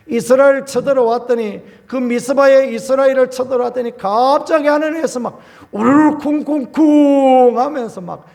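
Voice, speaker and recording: A man, a pastor, preaching a Sunday sermon in a homely, colloquial way, telling stories and acting out scenes with sudden loud bursts. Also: extremely high pitch.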